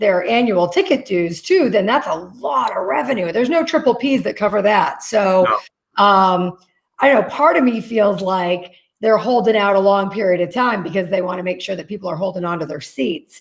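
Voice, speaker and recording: A woman's plain, everyday voice at medium pitch, moderate pace and with lively intonation. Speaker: talk show host. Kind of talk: casual live interview host.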